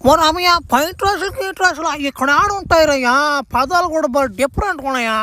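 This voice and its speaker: A woman's voice: high voice, quick pace, sharp tone. A woman voicing a teasing villager woman on an alien planet in a comedy cartoon, bickering in a rural Andhra Telugu accent.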